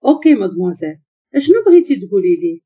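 A cold, threatening young man of a spoken story , read by a woman with a Moroccan accent talks with icy calm. The voice is dark, mellow and husky. The recording sounds muffled and lo-fi. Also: medium pitch, rapid-fire. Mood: cold, menacing. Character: cold, menacing young man, a crime boss's son.

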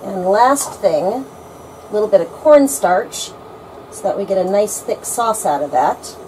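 A woman's voice: mid-range voice, sing-song, unhurried, background noise. A woman in her forties cooking in a motor home kitchen, walking plainly through each step of a recipe. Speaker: home cook. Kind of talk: casual cooking demo. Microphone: camera mic from across the room.

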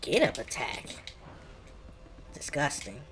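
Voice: mid-range voice, wildly swooping pitch, takes it slowly, a bit bright. A streamer with an African American accent and a mid-range voice comments casually on a video game. The talk is colloquial and reactive, half to themselves. Faint music plays behind the voice. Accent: African American English. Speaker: gaming streamer.

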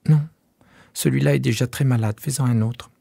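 A man voicing a small, curious boy prince in an audiobook, with soft, breathy, husky tones and wondering, gently insistent questions. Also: medium pitch, fairly even intonation, normal speed, dry recording, pitched above the performer's own voice. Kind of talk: audiobook character voice.

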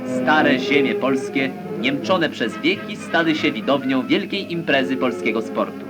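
A man's voice: mid-range voice, expressive, a little slow. A man giving declamatory, scripted sports narration as an old 1950s newsreel voice-over. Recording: voice-over over loud music.

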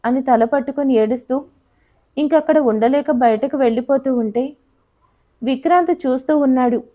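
A woman narrating a love story in a steady, emotive storytelling manner. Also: sits high, normal speed.

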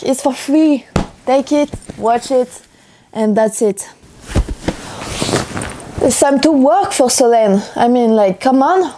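Husky French-accented woman vlogging. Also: fairly high pitch, noisy background. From France. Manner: chatty, upbeat, loose non-native phrasing. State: hoarse from just waking up. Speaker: athlete vlogger. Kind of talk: casual vlog chat.

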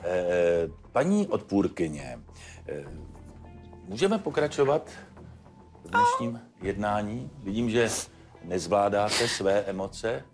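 An actor playing a stern, formal judge who admonishes the parties with frequent hesitant fillers. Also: male voice, on the low side, big pitch swings, over music. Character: stern measured male judge, controlled. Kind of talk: courtroom TV show acting.

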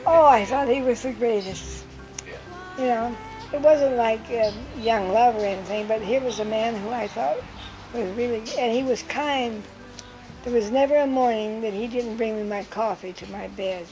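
An older woman recounting memories from her life in an interview, telling stories lively and acting out what people said. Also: a little high, normal speed, soft background music, low-quality recording. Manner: lively storyteller who acts out quotes with laughs.

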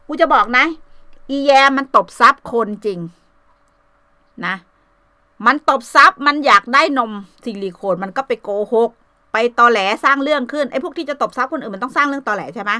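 Angry high-voiced woman ranting on a call. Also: brisk, pushed and bright, no room sound. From Thailand. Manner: angry, cursing, repeats herself. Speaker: vlogger. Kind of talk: heated casual call rant. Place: home in Sweden.

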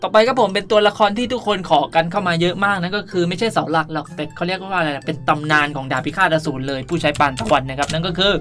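A man's voice: high-pitched, racing, few pauses, a bit bright. A man hosting a casual game tutorial, chatting politely and often addressing his viewers. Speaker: video creator and host. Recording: music behind the voice. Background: music.

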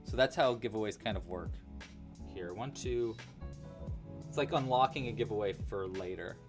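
A man's voice: on the low side, moderate pace, over music. Chatty young man hosting a crochet stream. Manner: chatty, counts stitches aloud, thanks donors. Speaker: crochet livestream host. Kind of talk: casual livestream crochet tutorial.

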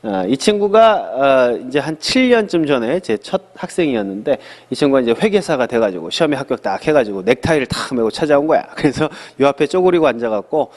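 A middle-aged man teaching an English lesson in a studio, lively and chatty, asking questions and answering them himself. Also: mid-range voice, fairly quick, few pauses, big-room sound. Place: small studio.

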